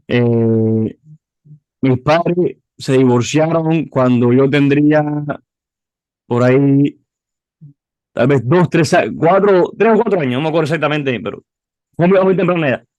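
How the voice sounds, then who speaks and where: A youth pastor in his twenties speaks with a Cuban accent, telling his story in a loose, conversational way full of restarts and repeated words. His voice sits a little on the high side for a man. The sound is dry and close, with no room echo. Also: unhurried, long pauses, warm tone, muffled recording. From Cuba. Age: 20s. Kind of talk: personal testimony interview.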